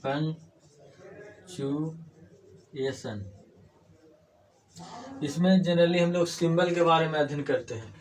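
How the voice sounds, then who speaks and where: A man's voice: a little high, steady tone, a little fast, darkish tone. A man teaching an English grammar class, explaining step by step and repeating key words back as questions. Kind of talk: classroom lecture. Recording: distant mic, faint room noise.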